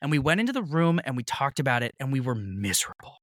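Animated, heated man telling a story. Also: mid-range voice, fast talker, no room sound. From Maine, USA. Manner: heated, swears freely, voices others in retold dialogue. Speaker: podcast guest, actor. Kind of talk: casual storytelling conversation.

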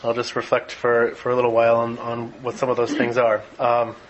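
A male lecturer in a lecture room who talks thoughtfully and hesitantly. He often restarts phrases and fills pauses as he reflects aloud. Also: medium pitch, monotone, a little hiss or hum, low-quality recording. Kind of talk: lecture with a read-aloud passage.

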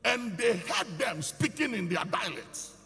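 A male preacher delivers an emphatic sermon in a gravelly, bright voice that sits a little high. His words ring out in a big hall with a long reverb. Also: lively intonation, unhurried.

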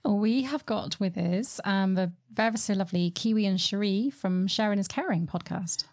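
A woman's voice: mid-range voice, normal speed, darkish tone. A woman co-hosting a podcast, laughing often and bantering playfully. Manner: giggly, playful. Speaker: podcast co-host. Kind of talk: casual podcast chat.

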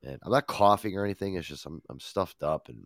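A man's voice: sits low, fast talker, a bit bright, no room sound, studio quality. A man hosting a radio show in casual, profane chat, stuffed up with a head cold. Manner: swears often, laid-back rambling.

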